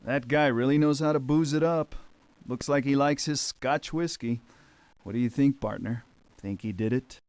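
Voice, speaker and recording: A man playing a wry detective partner, smooth and dry. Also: medium pitch, normal speed, a little mellow, no room sound, natural voice.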